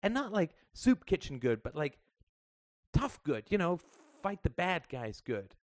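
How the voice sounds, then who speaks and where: A man's voice: on the high side, big pitch swings, dry recording, pitched above the performer's own voice. A man doing an earnest young schoolgirl. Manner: earnest, halting, searching for words.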